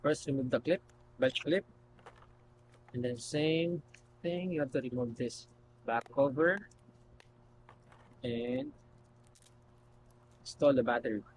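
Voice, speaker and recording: A man hosting a casual unboxing video, talking haltingly as he thinks aloud while handling things. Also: fairly high pitch, animated, creaky, slight background noise, low-quality recording. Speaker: video host.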